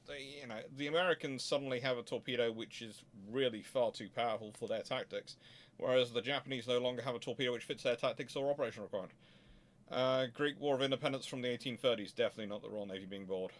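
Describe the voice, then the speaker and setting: A man talks off the cuff as the host of an informal question-and-answer session. His voice sits at a middling pitch. He thinks aloud, wanders through his answers and corrects himself as he goes.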